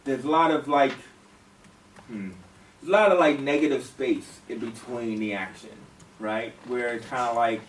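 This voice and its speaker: A man's voice: mid-range voice, moderate pace. A man leading a workshop, giving informal feedback in an explanatory way and often checking that others agree. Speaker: workshop leader. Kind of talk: informal group feedback discussion. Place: echoey room, recorded from a distance. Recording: roomy, distant mic, faint noise.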